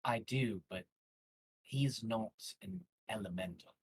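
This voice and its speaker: A man's voice: on the low side, slow pace, slightly rough, poor audio. A man playing a tabletop game, earnestly reasoning in character. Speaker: player.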